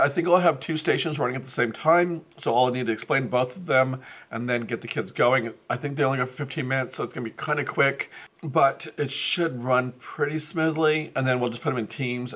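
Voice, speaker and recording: A man's voice: mid-range voice, fairly bright tone. A man who teaches first grade, chatting casually to his vlog camera, rambling and correcting himself as he thinks aloud. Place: school classroom.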